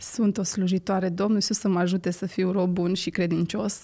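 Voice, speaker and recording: Her medium-pitched voice has a dark, mellow tone and fairly even intonation, captured on a very clean recording with a silent background. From Romania, Bistrița-Năsăud (Beclean). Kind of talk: casual interview chat.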